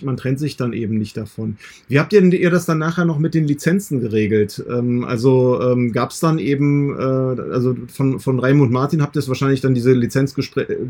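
Middle-aged man, raspy-edged voice, casual interviewer, tentative roundabout phrasing. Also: mid-range voice, normal speed, darkish tone. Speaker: podcast interviewer.

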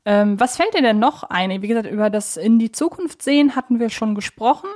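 A woman talking casually as a podcast co-host, explaining her points in a measured, conciliatory way. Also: on the high side, expressive, darkish tone. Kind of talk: casual, discursive podcast discussion.

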